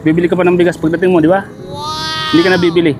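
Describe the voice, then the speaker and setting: A fairly high-pitched man talks casually outdoors, kind and encouraging. He keeps checking in with quick, repeated little questions. Music plays clearly underneath the whole recording. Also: level tone. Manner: encouraging and kindly. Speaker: vlogger handing out gifts. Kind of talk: casual on-the-street chat. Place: outdoors on a sunny street.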